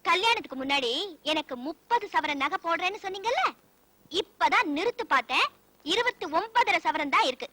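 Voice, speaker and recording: An actress playing a strict young bride in a film comedy, firm and lecturing. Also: female voice, extremely high pitch, expressive, a little fast, pushed and bright, no echo, exaggerated voice. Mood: scolding. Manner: firm, lecturing, proverb-quoting. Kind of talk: 1990s Tamil film comedy acting.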